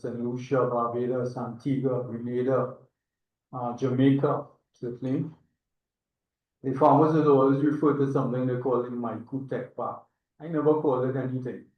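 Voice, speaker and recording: A distant, echoey and slightly dull recording of an older Trinidadian man presenting to an online meeting. His mid-range voice wanders reflectively through informal remarks, with a hesitant delivery. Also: medium pitch. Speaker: agronomist and institute chairman, presenter.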